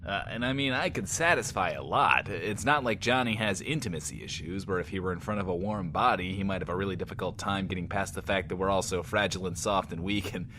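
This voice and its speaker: An actor playing a swaggering but insecure host of a post-apocalyptic bunker radio show, talking in a pompous, wordy, theatrical way. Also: male voice, low voice, quick pace, hardly any pauses, background noise, natural voice. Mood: flustered, defensive. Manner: pompous, wordy, theatrical, talks of himself in third person. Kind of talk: in-world radio show monologue, audio drama.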